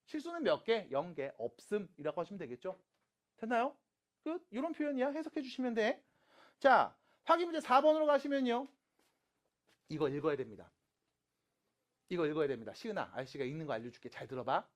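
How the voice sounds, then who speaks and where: A middle-aged man teaching a math lesson, asking quick questions and answering them himself. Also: high-pitched. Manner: lively, asks and answers own questions. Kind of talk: lecture.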